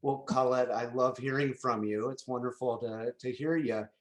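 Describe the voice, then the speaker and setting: A man's voice: medium pitch, steady tone, moderate pace. Friendly man expert on a call. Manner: friendly and emphatic. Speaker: guest expert. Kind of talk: panel discussion. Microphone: video call.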